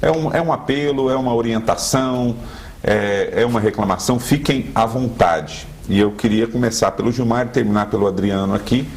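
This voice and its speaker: A man with a Brazilian accent hosting a local television debate, courteous and measured as he wraps up. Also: mid-range voice, darkish tone. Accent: Brazilian Portuguese. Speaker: debate show host.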